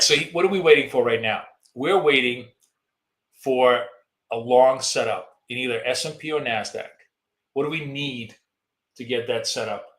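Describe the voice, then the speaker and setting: A hoarse man talks through a live trading stream in a casual, rambling way, stopping to answer viewer questions. His voice sits at an ordinary middle pitch, and the room around him rings with a noticeable echo. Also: fairly bright tone. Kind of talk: live-stream market commentary.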